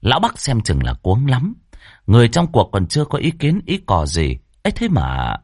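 A man narrating a ghost story with expressive, rhythmic delivery. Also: medium pitch, normal speed, breathy edge, no room sound, studio quality.

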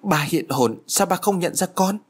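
A man's voice: high-pitched, expressive, moderate pace, slightly rough, voice pushed up. Man voicing a frightened young woman. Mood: alarmed. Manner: anxious, urgent. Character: frightened young woman searching for her sister.

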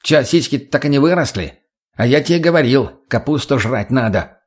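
A man's voice: mid-range voice, animated, moderate pace, natural voice. A man voicing a crude, cheeky male junkie who provokes and teases his friends. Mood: mocking.

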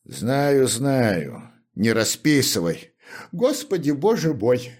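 A man's voice: sing-song, unhurried, full character voice. A man voicing a wordy, self-pitying middle-aged shoemaker in an audiobook, speaking in a plaintive, strained tone. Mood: whining lament. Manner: whining, plaintive, high and strained. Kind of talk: audiobook character reading.

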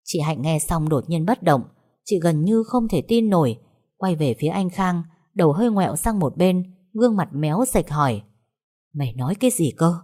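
A woman reads a dramatic story aloud in a lowish voice. Her narration is scripted and even, carrying the plot between the characters' lines. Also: normal speed.

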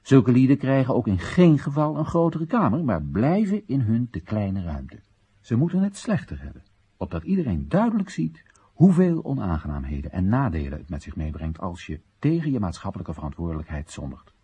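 A low, very husky, mellow voice playing a dutiful young man in a radio monologue. He is earnest and explanatory, with emphatic, widely moving intonation. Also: sing-song, moderate pace, exaggerated voice. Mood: emphatic, stern.

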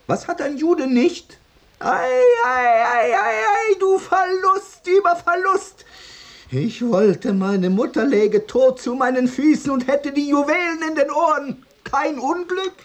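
Radio drama: Jewish vagrant oddball, declamatory and anguished, very wide melodic swings, unhurried delivery. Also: male voice, very high voice, expressive, a bit bright, full character voice. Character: Jewish male vagrant oddball reciting a tragic monologue. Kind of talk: theatrical German radio drama recitation.

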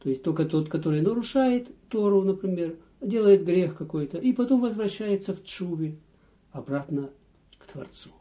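Animated and dark in tone, this rabbi's voice sits high as he speaks at a moderate pace. In a dull lo-fi recording of a slow spoken Torah lesson, he reads short passages of a text aloud and then explains each one step by step.

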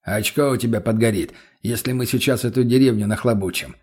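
A man's voice: medium pitch, a little mellow, husky, natural voice. A man as a sardonic gypsy mercenary. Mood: dry. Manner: dry, blunt, unhurried. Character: cool, sardonic male Lovari gypsy mercenary.

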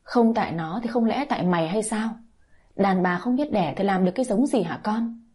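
A woman's voice: lively intonation, a little fast, mellow, husky. A woman voicing a bitter older village mother-in-law who scolds and wails, in a read-aloud story. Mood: scornful. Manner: shrill, scolding, wailing.

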